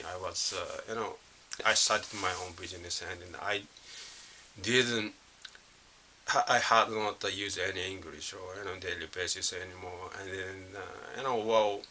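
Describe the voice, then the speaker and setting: Halting middle-aged Japanese man, bright edge. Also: sits low, slight background noise. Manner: halting, leans on constant "you know" fillers and restarts. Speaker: vlogger. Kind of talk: unscripted casual monologue.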